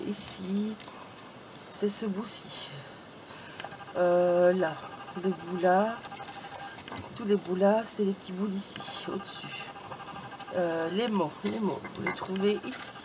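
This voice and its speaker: A woman hosting a casual crafting tutorial, chatty and self-deprecating, full of fillers. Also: medium pitch. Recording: noisy room ambience.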